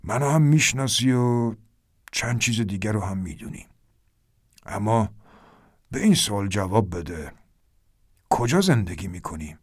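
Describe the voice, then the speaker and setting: A man voicing a grave, white-browed older man who speaks in a low, slow, measured hush. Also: sing-song, dry recording, studio quality.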